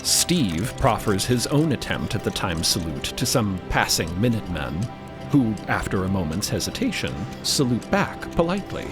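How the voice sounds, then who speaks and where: Male storyteller, unhurried and animated, scripted dramatic narration, loud score underneath. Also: fairly low pitch. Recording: loud music behind.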